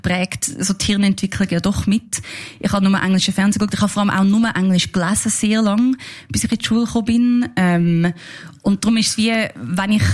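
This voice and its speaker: A woman's voice: mid-range voice, darkish tone. Chatty Swiss woman comedian. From German-speaking Switzerland. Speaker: stage comedian. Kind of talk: stand-up storytelling. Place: stage before a live audience.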